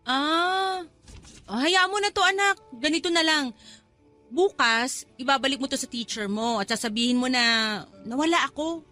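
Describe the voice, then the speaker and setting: Struggling Filipino mother, high voice, coaxing, hesitant, evasive, radio drama, faint music behind. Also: animated, normal speed, sharp tone. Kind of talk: Tagalog radio drama acting.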